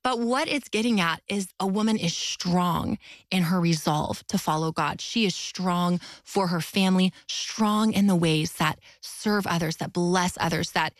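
A woman author talking as a guest in an interview, with a loud voice and expressive delivery that often leaps high in pitch. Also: measured pace, no room sound, clean studio sound. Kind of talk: faith-based interview talk.

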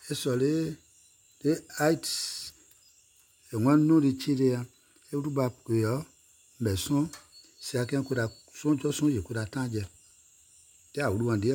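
A man's voice: mid-range voice, warm tone, husky. A man singing or chanting in a repetitive way, returning again and again to short refrains. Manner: repeats short refrains over and over.

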